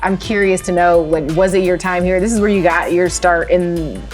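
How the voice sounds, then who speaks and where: A woman's voice: on the low side, faint music behind. A woman hosting an interview, upbeat and bubbly as she asks her questions. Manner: upbeat, bubbly, quick to laugh. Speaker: host, interviewer. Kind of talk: casual interview chat.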